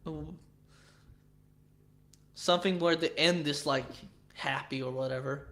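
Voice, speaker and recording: A man's voice: on the high side, fairly even intonation, unhurried, fairly bright tone. A man with a Swedish accent chatting casually with viewers on a livestream, rambling and swearing, with frequent restarts. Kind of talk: casual chat.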